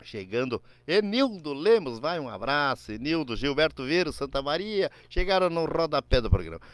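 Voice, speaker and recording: A man with a Rio Grande do Sul gaúcho accent hosting a regional radio show, signing off with folksy, rambling greetings and shout-outs to listeners. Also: on the high side, big pitch swings, normal speed, dry recording. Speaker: radio host.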